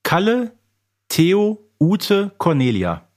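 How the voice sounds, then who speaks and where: Animated man in casual quiz banter. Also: high-pitched, slow. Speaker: podcast panelist in a quiz.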